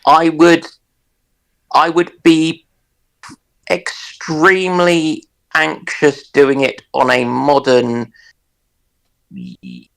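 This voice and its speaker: A man's voice: fairly high pitch, animated, very slow, vocal fry, pauses often, a bit bright, rough recording. A man on a casual discussion panel, talking hesitantly and piecing his sentences together in short fragments.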